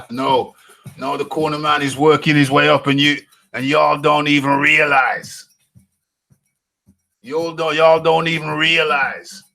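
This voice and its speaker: Slow-talking, bright-voiced male stream host. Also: a little high, little pitch movement, vocal fry, soft background music. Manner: repeats phrases, hypes viewers, jokes around. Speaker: boxing talk show host. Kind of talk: live-stream boxing chat.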